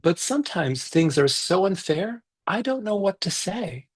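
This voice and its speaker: A man, a children's author, reading his picture book aloud in a lively, expressive way over a video call. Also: sits high, a little slow, breathy edge.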